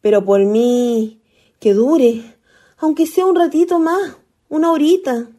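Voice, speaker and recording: A woman's voice: sits high, takes it slowly, dark tone. A woman playing a lovestruck young ghost, a naive country girl with a Chilean accent and earnest colloquial speech, in a radio play. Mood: lovestruck, hopeful. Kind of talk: radio theatre acting.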